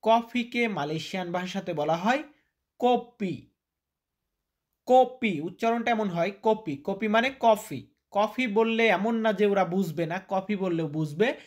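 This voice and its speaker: A man's voice: high voice, a bit bright. A man teaching vocabulary, repeating each word and quizzing the listener. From Bangladesh. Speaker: language teacher. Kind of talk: vocabulary lesson.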